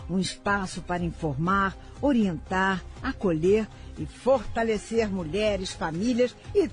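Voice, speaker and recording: A man reading a scripted program opening in a formal, measured way. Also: high-pitched, faint music behind. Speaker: program announcer. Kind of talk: scripted announcement.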